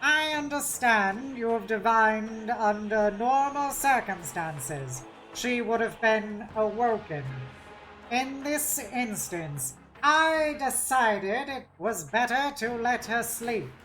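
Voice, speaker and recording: A woman voicing a smooth, patronizing male cyborg priest in a novel read-aloud, with unctuous, falsely polite formality. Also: fairly high pitch, expressive, fairly bright tone, soft background music, poor audio. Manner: unctuous, slow, politely condescending.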